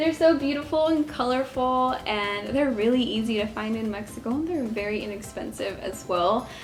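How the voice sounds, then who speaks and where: With music in the background and audible room echo, a woman speaks in a high voice at a moderate pace, with ordinary pitch variation and hardly any pauses. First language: Spanish. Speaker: YouTuber. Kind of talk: casual vlog. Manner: animated.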